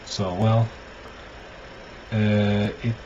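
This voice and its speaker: A man's voice: on the low side, flat delivery, a little mellow. Hesitant man in a dull, noisy recording. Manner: hesitant, halting, thinking aloud. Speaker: record collector presenting finds. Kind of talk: casual unscripted show-and-tell. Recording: dull lo-fi audio, clear background noise.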